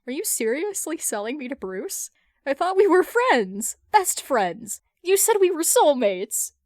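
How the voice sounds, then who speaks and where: A woman's voice: sits high, big pitch swings, unhurried, darkish tone, no room sound, clean studio sound, voice pushed up. A woman voicing a hapless, exasperated grown man who gets defensive and flustered, in a fan fiction reading. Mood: wounded, pleading.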